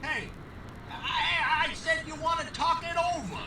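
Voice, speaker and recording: A man playing a lovesick, cornered small-time gunman in 1940s noir radio drama, excitable, with pleading bluster. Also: very high-pitched, measured pace, background noise. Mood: nervous bluffing.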